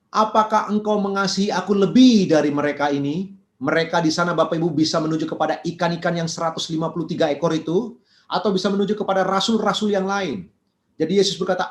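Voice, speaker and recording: A man's voice: a little high, roomy sound. A male pastor preaching an earnest sermon to an online prayer meeting, often turning to address the congregation directly. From Indonesia.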